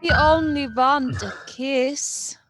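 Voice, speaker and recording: A woman's voice: high-pitched, slow, exaggerated voice. An actress playing a seductive, otherworldly female vampire in a radio play, coaxing her prey. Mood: luring. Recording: loud music over the voice.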